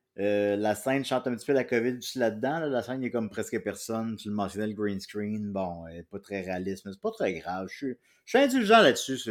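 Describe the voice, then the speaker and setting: In a very clean recording with a silent background, a man with a fairly low pitch speaks in a Quebec accent, his loudness swinging widely. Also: ordinary pitch variation. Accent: Québécois French. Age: 40s. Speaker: comedian and podcaster. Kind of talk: casual chat.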